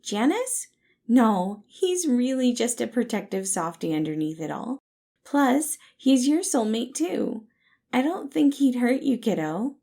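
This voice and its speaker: Woman voicing a sweet, high-pitched, gushing gentle man. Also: sing-song, measured pace, creaky, full character voice. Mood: cheerful, affectionate. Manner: gushing, tender, affectionate. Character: soft, sweet, eager, cheerful gentle man.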